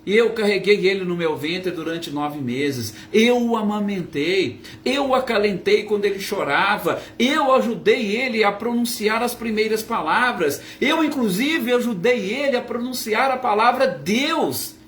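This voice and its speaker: A man's voice: sits high, expressive, a little slow, few pauses, a bit bright, a little hiss or hum. A man voicing a desperate, bitter grieving mother spirit in pleading, accusing outbursts. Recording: roomy echo, faint ambience.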